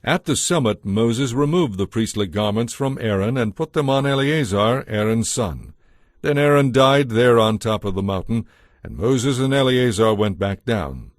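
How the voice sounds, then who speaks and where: A man narrating scripture from a script in a solemn, deliberate, clearly enunciated storytelling style. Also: medium pitch, animated, dry recording, clean studio sound. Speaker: Bible narrator.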